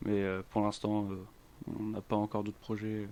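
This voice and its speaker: Hesitant low-voiced French guest. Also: male voice, monotone, moderate pace, darkish tone, clean tone. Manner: hesitant, many fillers, short answers. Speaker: guest rapper. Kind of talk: radio interview answers.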